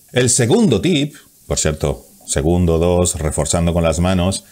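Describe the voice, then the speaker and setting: A man coaching viewers on speaking clearly, lively, stressing consonants and sometimes slowing to demonstrate. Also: low voice. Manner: energetic, acts out examples with hands. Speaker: communication coach. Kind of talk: tips video to camera.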